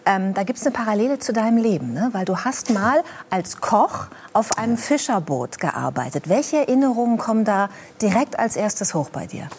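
A woman's voice: mid-range voice, lively intonation, normal speed, hardly any pauses, darkish tone, a little hiss or hum. A woman hosting a talk show, introducing her guest and asking him questions in fluent, chatty German.

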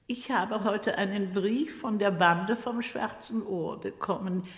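A woman's voice: mid-range voice, measured pace, in a large hall, natural voice. An actress playing an eccentric, gullible aristocratic lady who talks matter-of-factly about absurd things. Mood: deadpan.

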